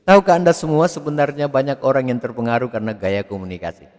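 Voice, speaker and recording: A man giving a video lecture on public speaking, expressive, swinging his pitch and loudness to demonstrate. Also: quick pace. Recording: long hall reverb.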